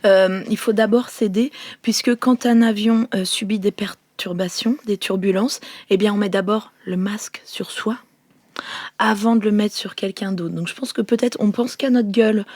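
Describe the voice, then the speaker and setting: A woman's voice: medium pitch, steady tone, moderate pace, darkish tone, dry recording. A woman playing a tabletop role-playing game, talking casually and improvising with the group.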